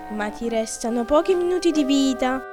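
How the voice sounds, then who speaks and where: A woman's voice: high voice, expressive, normal speed, over music. A woman doing a grim black rabbit undertaker. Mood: ominous.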